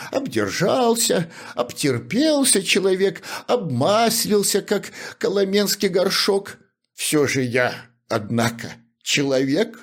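A man voicing a wordy, self-pitying middle-aged shoemaker in an audiobook, speaking in a plaintive, strained tone. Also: exaggerated voice. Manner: whining, plaintive, high and strained. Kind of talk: audiobook character reading.

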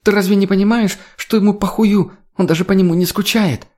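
A man's voice: fairly high pitch, lively intonation, brisk, a little mellow, husky, voice pushed up. A man voicing a bossy woman who barks orders at her companions. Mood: exasperated. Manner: barking orders. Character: bossy commanding woman leading the group.

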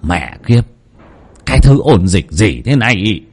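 A man voicing a gruff, resolute older village man who speaks low and firm. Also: big pitch swings, unhurried, darkish tone, full character voice. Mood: grim.

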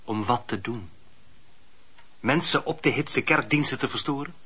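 An actor playing a sceptical, courteous judge who questions formally and reproachfully in a radio drama. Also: male voice, mid-range voice, normal speed, bright, forceful tone, lightly acted. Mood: indignant. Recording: dull, lo-fi radio play recording.

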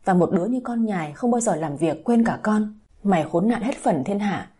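A woman's voice: mid-range voice, expressive, moderate pace, warm tone, breathy edge. A woman voicing an older village aunt who scolds harshly. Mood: furious. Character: older village aunt, sharp-tongued and furious.

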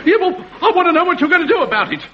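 An actor playing a blustering, indignant air-raid warden in a sitcom. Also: male voice, extremely high pitch, sing-song, very fast. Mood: scornful, angry. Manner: blustering, abrasive. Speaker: comedy actor. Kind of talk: 1970s British sitcom acting. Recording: dull old broadcast, faint noise.

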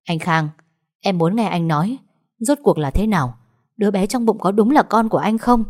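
A woman voicing a betrayed young wife in an audio story, bitter and often shouting. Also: medium pitch, moderate pace, pitched above the performer's own voice, natural voice.

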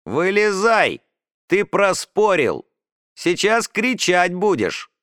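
Storybook schoolboy bully, loud and taunting, pitched up high, as a man plays him. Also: big pitch swings, slow pace, smooth, no room sound, clean studio sound, heavily acted.

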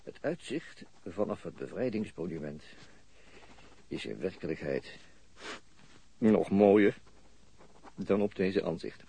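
A man's voice: low-pitched, animated, slow pace, creaky, long pauses, mellow, exaggerated voice. An actor playing a wry, self-mocking police detective in a radio drama, dry and sometimes hesitant in his delivery. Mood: pensive. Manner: dry, sardonic, hesitant when talking. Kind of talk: radio drama dialogue and ironic inner monologue. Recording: noisy radio play with background ambience.

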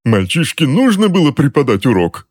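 A man reading an audiobook and voicing a cursed, tormented middle-aged uncle who snarls, whines and wails in a shrill, strained voice. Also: big pitch swings, normal speed, darkish tone. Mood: anguished, snarling. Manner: shrill, wailing, pleading.

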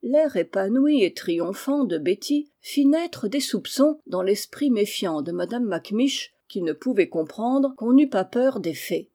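A woman narrating a classic children's novel aloud in an even, measured way. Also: medium pitch. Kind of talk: audiobook reading.

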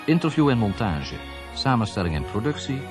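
A man's voice: mid-range voice, big pitch swings, brisk. A man reading scripted programme credits as a radio announcer. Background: music under the voice.

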